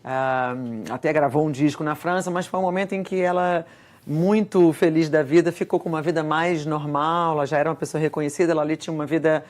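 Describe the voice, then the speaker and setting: A middle-aged woman from Rio de Janeiro with a notably low voice, answering interview questions in a TV studio. She speaks thoughtfully and measuredly, often pausing and restarting her sentences. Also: fairly even intonation, darkish tone. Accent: Brazilian Portuguese, Rio de Janeiro. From Brazil. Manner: reflective, measured, with many restarts. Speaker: guest, screenwriter and editor. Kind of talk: interview conversation. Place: television studio.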